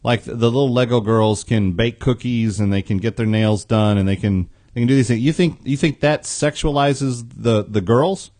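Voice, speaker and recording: A man's voice: mid-range voice, moderate pace, hardly any pauses, a little mellow, no room sound. An American man hosting talk radio on a close studio microphone, earnest and emphatic, repeating key phrases for weight. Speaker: radio host.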